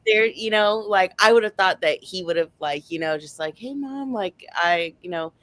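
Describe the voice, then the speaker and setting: A woman's voice: fairly low pitch, lively intonation, moderate pace, a bit bright. A woman in a casual book club chat, talking in a rambling way with lots of filler phrases. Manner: rambling, heavy use of like and you know.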